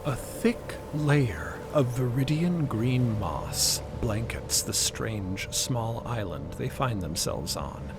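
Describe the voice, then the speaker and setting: A man narrating a scripted story with deliberate, dramatic phrasing. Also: mid-range voice, very animated, background noise.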